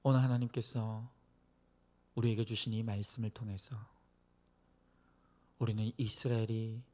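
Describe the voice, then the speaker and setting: A male pastor preaching and praying earnestly to a congregation, exhorting them with phrases that swell from hushed to emphatic. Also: on the low side, level tone, normal speed. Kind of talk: sermon and prayer to a church congregation.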